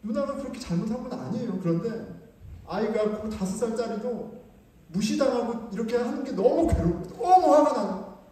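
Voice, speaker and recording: A man with a high, mellow voice preaches a lively, conversational sermon full of rhetorical questions. The sound is picked up from a distance and rings with the heavy echo of a large church hall. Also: normal speed. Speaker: pastor. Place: church sanctuary.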